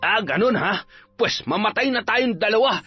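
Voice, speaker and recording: A man playing a bitter, hot-tempered young man who talks in a quick, sneering way. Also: on the high side, expressive, gravelly, slightly rough, no echo, exaggerated voice. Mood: bitter, angry. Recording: slightly dull, faint music.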